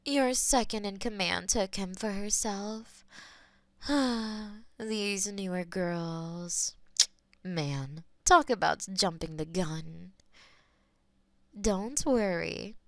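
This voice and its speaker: Audio roleplay: a woman plays a smug, possessive female demon who teases in an unhurried purr, with a dry, close sound. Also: medium pitch, no echo. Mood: teasing. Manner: teasing, slow and purring, drops to soft whispers.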